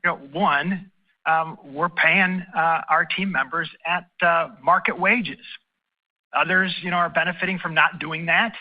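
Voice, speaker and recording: A man speaking as an airline chief executive, answering analysts on an earnings call in halting phrases. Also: fairly high pitch, steady tone. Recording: dull conference call audio.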